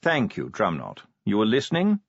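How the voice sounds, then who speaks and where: A man voicing a cool, calculating male ruler who speaks slowly, drily and deliberately in an audiobook. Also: on the low side, wildly swooping pitch, creaky, breathy edge, no room sound, highs cut off, heavily acted. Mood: measured, probing. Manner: slow, deliberate, dry.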